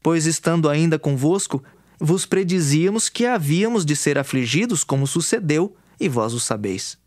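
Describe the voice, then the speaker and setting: With a Brazilian accent, a man reads scripture from a script for an audio Bible, earnest and declamatory. His voice is a little high, animated and a little mellow at a normal speed. The studio-quality recording has no echo, with background music running under his voice.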